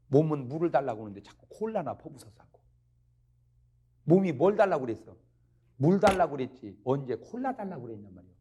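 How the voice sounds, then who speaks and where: Lively husky-voiced preacher man. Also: fairly high pitch. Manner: lively preaching with rhetorical questions, rising to emphatic peaks. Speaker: pastor. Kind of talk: revival sermon. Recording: archival broadcast of a revival meeting.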